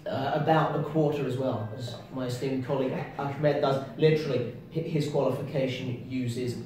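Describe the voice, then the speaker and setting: A man's voice: mid-range voice, moderate pace, darkish tone, heavy reverb, far from the mic, a little hiss or hum, poor audio. A man from England, co-hosting a casual chat about learning languages with dry, self-deprecating humor. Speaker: co-host.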